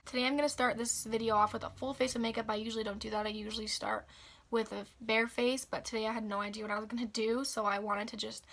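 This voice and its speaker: A young woman with a raspy, slightly hoarse voice after the flu, chatting casually through a makeup tutorial. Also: on the high side, level tone, quick pace, a bit bright. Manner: chatty, upbeat, filler-heavy. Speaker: beauty vlogger.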